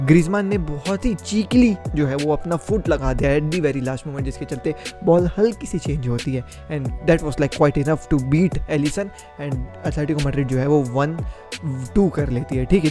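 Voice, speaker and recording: This is a young man reviewing a football match in a chatty, opinionated way. His voice sits a little high yet sounds warm and mellow. Faint music plays quietly behind him.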